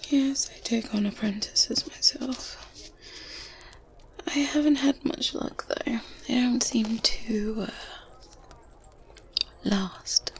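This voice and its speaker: A woman playing a good witch in an ASMR roleplay, strict but kindly and gently teasing, in a breathy, soft whisper close to the microphone. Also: a little high. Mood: wry, calm. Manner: slow, gentle, with murmured hums and soft chuckles. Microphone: close binaural microphone. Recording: close binaural mic with ambient background noise. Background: medieval ambience sounds.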